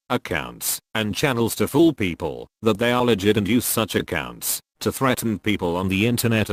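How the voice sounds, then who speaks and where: A man speaks through a disguised deep voice, low and dry with no room sound around it. He reads a scripted statement in a solemn, formal warning tone, like an anonymous spokesperson. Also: no echo. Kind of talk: scripted statement read aloud.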